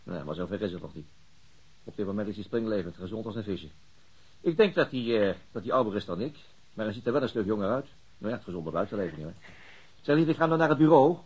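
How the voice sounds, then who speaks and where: An actor playing a weary middle-aged city detective, hesitant and understated, in a naturalistic radio drama. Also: male voice, lowish voice, expressive, quick pace, darkish tone, slightly rough, highs cut off. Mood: wry, low-key.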